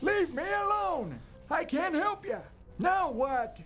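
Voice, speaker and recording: A man voicing a crazy, cantankerous old hermit in an adventure video game, senile and hard of hearing, yelling in a cracked, drawn-out codger's voice. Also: very high voice, big pitch swings, exaggerated voice. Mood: irritated, shooing.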